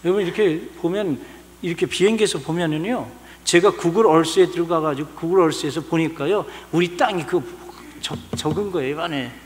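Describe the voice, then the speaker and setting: A male pastor preaching a sermon, swinging from soft asides to loud emphatic lines. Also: fairly high pitch, fairly quick. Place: large church hall. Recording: church sermon with long hall reverb.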